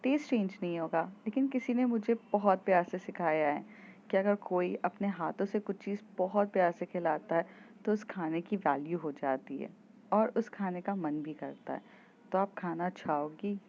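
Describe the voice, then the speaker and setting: A woman's voice: fairly low pitch, normal speed, a little mellow, a little hiss or hum, natural voice. Playful stubborn young woman, coaxing, woman doing the voice, muffled lo-fi. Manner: coaxing and insistent. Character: playful stubborn young woman who loves street food.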